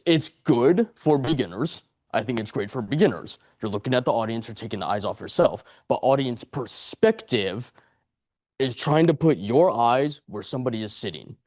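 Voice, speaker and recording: A man's voice: mid-range voice, darkish tone, no room sound, clean studio sound. A man in his late twenties giving a speech to a club audience in a meeting room, earnest and rambling, correcting himself as he goes. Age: 20s. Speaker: club speaker.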